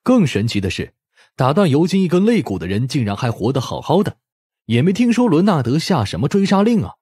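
A man's voice: fairly high pitch, very animated, fairly quick, a little mellow, slightly rough, no echo, clean studio sound. A man reading scripted story narration expressively, as an audiobook narrator.

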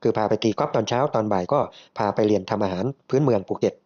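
A man voicing a bright young woman assistant from the north, soft and gentle, explaining her ideas politely. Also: on the low side, fast, muffled recording, close to an everyday voice. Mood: gently explaining.

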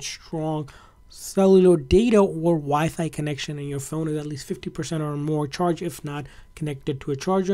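A man's voice: on the high side, warm tone. A man narrating a casual step-by-step tutorial in a conversational, instructional way as a tech presenter.

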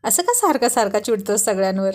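A woman's voice: mid-range voice, sing-song, a little fast, darkish tone. A woman reading a storybook voices a playful, stubborn young pregnant wife who pouts and teases. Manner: pouting, playful.

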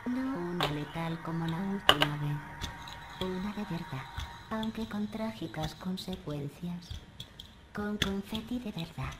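An actress playing a cold, sarcastic female AI overseer in a video game, speaking calmly and with quiet menace. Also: lowish voice, a little slow, loud music behind the voice. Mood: mock-sweet. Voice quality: calm, dry and menacing. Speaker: game character. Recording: echoey game audio with loud noise.

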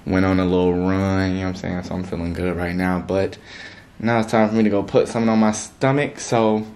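A man's voice: lowish voice, darkish tone. Young guy vlogging, easygoing slangy talk, bit of hiss in the back. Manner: laid-back slangy chatter, calls viewers "y'all". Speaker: YouTuber host. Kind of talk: casual vlog talk.

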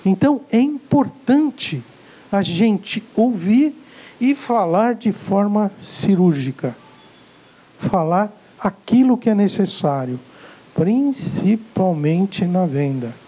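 High-voiced Brazilian man lecturing. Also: expressive, slow, mellow, husky, poor audio. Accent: Brazilian Portuguese. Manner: emphatic, repeats key words, acts out dialogues. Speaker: sales coach giving a lecture. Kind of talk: live motivational lecture. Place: lecture hall with a live audience.

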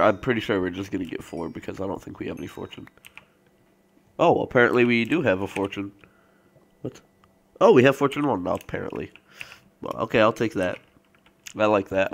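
A man's voice: on the low side, gravelly. Stuffy-nosed young man narrating gameplay. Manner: rambling, filler-heavy, self-correcting. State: congested, stuffy nose from a cold. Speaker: let's play host. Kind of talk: casual gameplay commentary.

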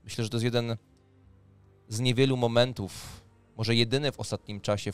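A man working as game master, narrating a tabletop roleplaying game in a dramatic storytelling manner. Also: fairly low pitch. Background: music.

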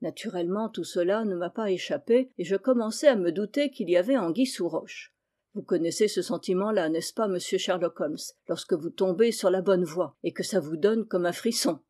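A woman's voice: lowish voice, brisk, dark tone, close to an everyday voice. A woman reading the part of a boastful, eager male police inspector in an audiobook, with self-satisfied storytelling. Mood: pleased.

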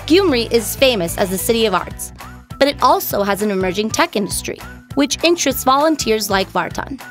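A woman narrates a promotional piece in a bright, lilting delivery. Faint music plays under her voice. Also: on the high side, sing-song, brisk. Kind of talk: scripted narration.

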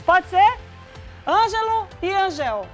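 A woman's voice: very high-pitched, sing-song, takes it slowly, faint music behind. A woman in her thirties, born in Goiânia and raised in Amazonas, hosting a live TV chat in a studio, playful and self-mocking. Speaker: TV show host. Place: bright TV studio set.

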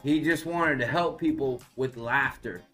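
A man's voice: medium pitch, measured pace, pushed and bright, soft background music. A man appearing as a first-time podcast guest who gives short, blunt answers laced with swearing. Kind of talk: casual podcast chat.

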